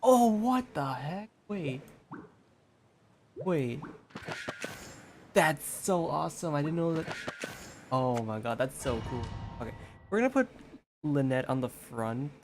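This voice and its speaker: A man's voice: on the high side, sing-song, slow, pauses often, noisy background. A man giving informal let's-play commentary, thinking aloud casually over game music. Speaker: video game streamer.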